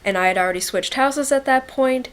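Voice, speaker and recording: A woman's voice: high voice, brisk, clear, resonant tone. A young woman vlogging casually to the camera. She sounds congested from a head cold and talks in a chatty, rambling way with lots of likes and ums. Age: young adult. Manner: shy and quiet by nature. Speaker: beauty vlogger.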